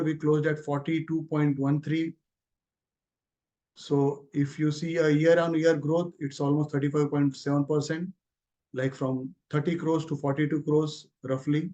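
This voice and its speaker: Indian businessman presenting, even tone, muffled audio. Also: on the high side. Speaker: company executive presenting results. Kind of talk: earnings call presentation. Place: online conference call. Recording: muffled, lo-fi conference call audio.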